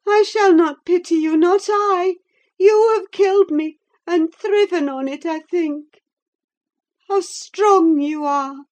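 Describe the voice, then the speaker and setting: Dying young woman, feverish, vindictive, high-pitched, anguished. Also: slow pace, a little mellow. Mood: bitter anguish. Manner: shrill, anguished, accusing.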